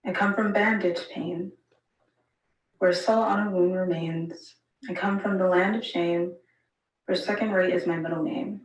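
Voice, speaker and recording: A woman reads her own poem in a steady, deliberate voice. The recording sounds roomy, with the mic set some distance away. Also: lowish voice, a little hiss or hum. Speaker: poet reading her own work. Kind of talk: recited poetry.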